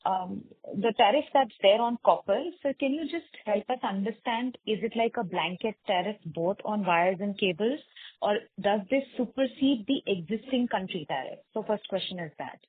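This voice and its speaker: A woman analyst on an earnings call, asking brisk, polite questions. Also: medium pitch, slightly rough, no echo. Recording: dry tinny phone line.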